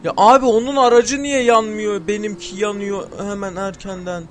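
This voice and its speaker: A young man commenting on his gameplay, swearing often and yelling angrily at the game. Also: high-pitched, fairly even intonation, moderate pace, slight background noise. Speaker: gameplay streamer.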